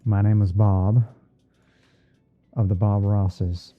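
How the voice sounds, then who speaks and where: A man playing a gentle, easygoing TV painting instructor in a halting, murmured ASMR livestream roleplay. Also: on the low side, flat delivery, lo-fi sound. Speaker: livestream host. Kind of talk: ASMR roleplay livestream while editing images.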